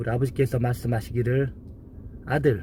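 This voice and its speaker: The man's voice sounds somewhat breathy. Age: 40s. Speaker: used car dealer and mechanic. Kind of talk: casual self-introduction monologue.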